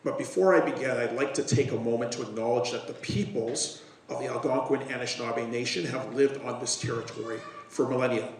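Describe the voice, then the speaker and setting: A man's voice: medium pitch, brisk, slight background noise. Strained-voiced man in a roomy hall. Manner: hesitant with many fillers when speaking off the cuff. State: voice strained from a recent illness. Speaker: city councillor giving remarks. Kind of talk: formal ceremonial speech. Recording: roomy hall, distant microphone, faint ambience.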